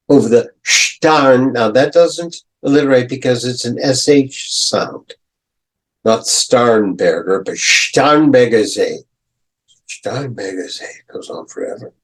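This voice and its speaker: Older male lecturer, unhurried, animated reading voice with a husky edge. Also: poor audio. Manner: animated, dramatic recitation with sudden high exclamations. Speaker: professor. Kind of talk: close reading lecture on a poem.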